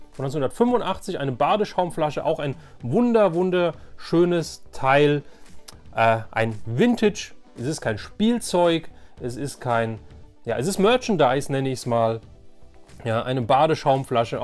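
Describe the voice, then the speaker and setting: A man with a slightly high voice presents a collection in a casual vlog. He rambles enthusiastically and tends to repeat himself. Faint music plays behind him. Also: darkish tone. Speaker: host of a toy collecting channel. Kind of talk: casual show-and-tell vlog.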